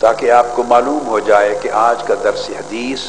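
An older man, a religious scholar, giving a formal hadith lesson from a podium, measured and scholarly with emphatic rises. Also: medium pitch, steady tone. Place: large outdoor stadium stage. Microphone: podium microphones. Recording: hall echo, faint background noise.

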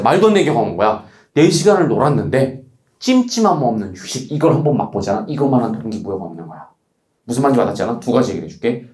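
A man lecturing students as a study coach. He talks bluntly and casually, teasing them with quick rhetorical questions. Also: mid-range voice, a little mellow, reverberant.

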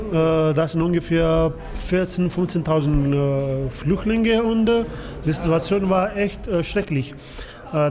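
A man's voice: high voice, a little mellow. A man in his thirties, a refugee TV reporter, speaking earnestly with many hesitations and filler sounds in a small office. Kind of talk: interview answers, unscripted.

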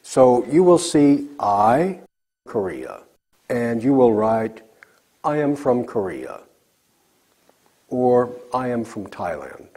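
An older man teaching an English lesson, speaking clearly and deliberately, with pauses for the learner to repeat. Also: medium pitch, very animated, warm tone. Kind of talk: slow scripted ESL lesson with drills. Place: studio set before bookshelves.

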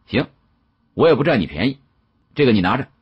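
A man's voice: mid-range voice, very animated, fairly quick, slightly rough, voice pushed up. A man voicing a cocky, sneering young challenger with a taunting, slangy manner in an audiobook. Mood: boastful. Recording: dull, muffled audio.

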